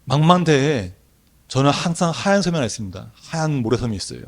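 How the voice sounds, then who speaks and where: A male pastor preaching a sermon, telling stories vividly and building up to loud, fervent declarations. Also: mid-range voice, fast, vocal fry. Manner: animated storytelling, rising to loud proclamations.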